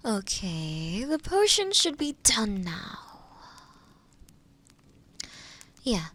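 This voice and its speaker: A woman playing a kind, scholarly witch in an audio roleplay, explaining things precisely and with gentle reassurance. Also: medium pitch, sing-song, takes it slowly, exaggerated voice. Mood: gentle, careful. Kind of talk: scripted audio roleplay, conversational.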